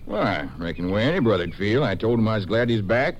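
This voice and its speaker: An actor playing a folksy, defensive Texas rancher in a 1950s western radio drama. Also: male voice, lowish voice, very animated, quick pace. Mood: guarded, folksy. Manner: folksy, hesitant explaining that turns indignant. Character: touchy, defensive Texas rancher, adult man. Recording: noisy old-time radio recording.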